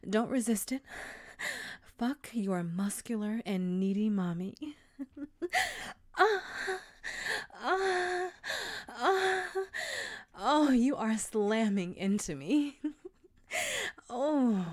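A woman performing an intimate audio roleplay in a soft, breathy voice, often dropping to a whisper, with drawn-out sighs between phrases. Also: mid-range voice, no room sound.

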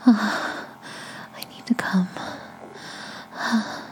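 Slow, whispering woman in intimate adult audio. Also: medium pitch, fairly even intonation, poor audio. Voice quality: breathy, mostly unvoiced whisper. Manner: slow, intimate, addressing the listener directly. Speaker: amateur erotic audio performer.

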